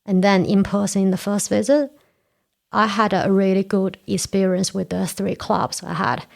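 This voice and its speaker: With a steady, medium-pitched, creaky voice at a normal speed, a woman in her forties talks earnestly as a podcast guest. She's a Toastmasters area director from China whose first language is Korean, and in this casual interview she explains things step by step.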